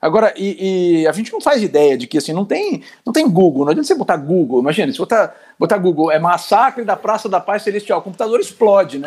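Very fast speech with lively intonation. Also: man, high pitch for a man. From interior of São Paulo state, Brazil (Tupã). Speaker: TV news reporter. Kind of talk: casual interview chat.

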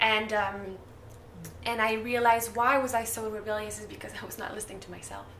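A woman's fairly high, flat, monotone voice at a fairly quick pace, with big swings in loudness, audible room echo and noticeable background noise. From southern France. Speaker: spiritual healer. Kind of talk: interview.

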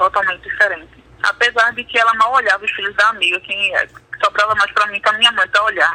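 A woman talking very fast in a fairly high voice, with noticeable background noise. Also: dry, close sound with no echo. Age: 30s. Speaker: domestic worker. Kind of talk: testimony.

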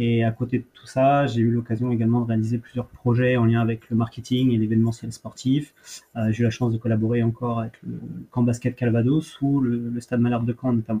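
This man talks at a fairly quick pace in a medium pitch. His voice is somewhat breathy, with monotone, flat intonation. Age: 20s. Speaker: sports club marketing and events officer. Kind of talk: interview. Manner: hesitant, frequent repetitions.

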